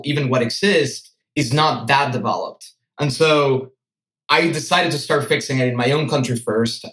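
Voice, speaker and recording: Earnest Venezuelan-born founder, conversational. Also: male voice, medium pitch, fairly bright tone, rough recording. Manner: earnest, conversational, many fillers and restarts. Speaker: startup founder guest. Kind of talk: podcast interview answers.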